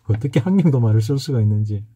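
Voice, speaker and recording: A man's voice: mid-range voice, lively intonation, fairly quick, mellow, breathy edge. A middle-aged man giving a casual, anecdotal spoken lecture on fortune-telling, chatting as he drifts into side stories.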